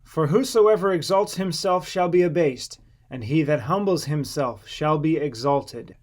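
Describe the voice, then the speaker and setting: A man's voice: on the high side, lively intonation, measured pace. A man reading the part of a firm, authoritative male preacher in a scripture audiobook, in a solemn, declamatory manner. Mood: solemn, instructing.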